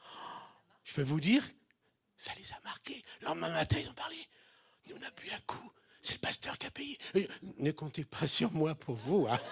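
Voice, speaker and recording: A man's whisper at a fairly slow pace, with long, frequent pauses and big swings in loudness. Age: 60s. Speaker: pastor. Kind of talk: sermon. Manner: animated.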